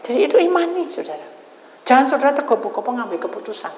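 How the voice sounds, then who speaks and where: A woman pastor preaches in a storytelling way and often sinks to a hushed whisper. Her voice rings through a large hall with a long reverb. Faint noise sits behind her. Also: sits high, big pitch swings, fast talker. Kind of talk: sermon.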